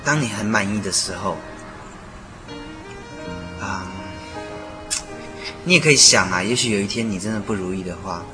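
A man's voice: fairly low pitch, normal speed, long pauses. A man co-hosting a Christian radio talk in a casual discussion, earnest and persuasive, repeating himself for emphasis. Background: background music.

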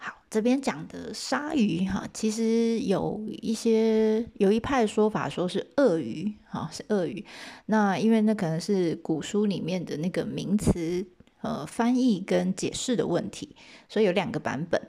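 A woman telling an old myth in a chatty, lively way with asides to her listeners. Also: mid-range voice, measured pace, creaky. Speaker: storyteller. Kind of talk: casual myth storytelling.

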